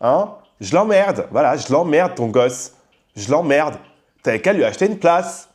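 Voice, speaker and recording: Loud, slangy young man ranting. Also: a little high, moderate pace. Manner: animated and slangy, acts out quoted people; talks loudly. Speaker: podcast host. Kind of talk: casual ranting monologue.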